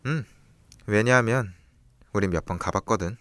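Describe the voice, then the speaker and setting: A man playing a brooding, secretive young student in a radio drama, measured and introspective as he talks and narrates over music. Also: on the low side, a bit bright, no echo, studio quality, lightly acted. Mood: calm, explaining. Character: brooding, secretive young male student, an observant older classmate. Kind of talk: Korean radio drama dialogue and first-person narration.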